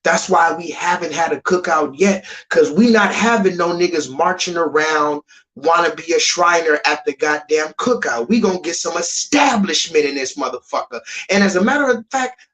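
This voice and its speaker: A man ranting on a live stream, profane and rambling, jumping between loud high outbursts and low muttered asides. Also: normal speed, rough recording. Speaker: livestreamer.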